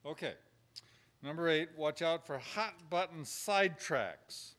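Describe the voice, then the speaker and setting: Halting, chatty man teaching. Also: fairly high pitch, lively intonation, fairly bright tone. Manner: unhurried, halting with many fillers, acts out sample dialogue. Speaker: church caregiving trainer. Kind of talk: conversational teaching talk.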